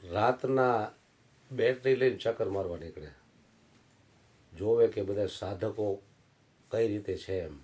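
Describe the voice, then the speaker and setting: A man's voice: on the low side, takes it slowly, long pauses, darkish tone. A man telling folksy anecdotes in a satsang sermon. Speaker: preacher.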